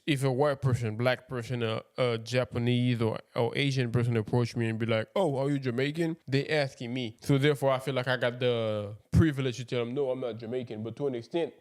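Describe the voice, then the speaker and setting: A young man from Haiti co-hosting a podcast in a relaxed, conversational way. His voice sits at an ordinary middle pitch. He tells anecdotes and acts out the dialogue of the people in them. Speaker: podcast co-host. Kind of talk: casual chat.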